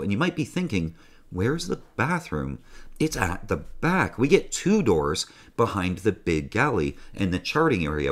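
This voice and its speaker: A man in his forties hosting a sailing channel, talking casually and enthusiastically to a desk camera in a small room. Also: on the low side. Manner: enthusiastic, joking, conversational. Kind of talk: casual video presentation.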